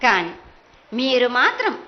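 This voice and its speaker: A woman's voice: a little high, very animated, measured pace, lo-fi sound, heavy background noise. A woman with a Telangana Telugu accent speaking as a mother goddess in a prophetic trance voice, chanting and reproaching her children.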